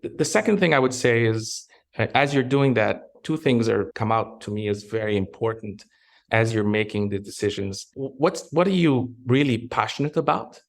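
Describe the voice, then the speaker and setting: A middle-aged man from Egypt, a pharmaceutical executive, talking in an interview in a measured, reflective way with frequent restarts. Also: medium pitch, vocal fry. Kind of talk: interview conversation.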